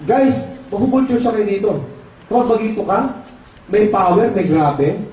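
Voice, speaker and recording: Energetic man leading a seminar. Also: high voice, moderate pace. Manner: energetic, leads call-and-response chants. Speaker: seminar speaker. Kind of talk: motivational seminar talk with jokes. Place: large hall with live audience. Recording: echoey hall, far mic, crowd noise.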